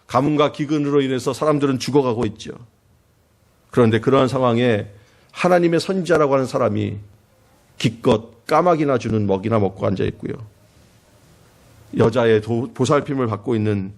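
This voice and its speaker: A male pastor preaching a sermon to his congregation, asking them questions and acting out quoted prayers with dramatic swings in loudness. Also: mid-range voice, normal speed, gravelly, pauses often. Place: church sanctuary.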